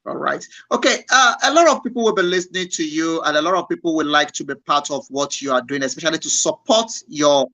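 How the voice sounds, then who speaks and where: Man, radio host, South African accent, bright voice, effusive, dry close sound. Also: a little high, fairly quick, few pauses, no room sound. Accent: South African English. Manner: warm, effusive praise, repeats words. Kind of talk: live radio interview.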